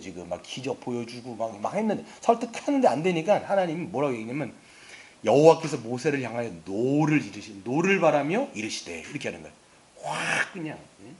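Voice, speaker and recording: A male pastor preaching a lively, conversational sermon, asking his congregation questions and acting out the words of the scripture figures. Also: medium pitch. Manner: acts out God's and Moses' words in a casual voice. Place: church.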